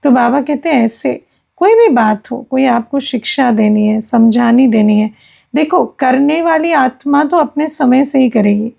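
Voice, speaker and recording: High, gravelly woman giving a spiritual talk. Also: measured pace, mellow. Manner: explanatory, often asking "है ना?". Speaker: spiritual teacher. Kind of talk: spiritual discourse.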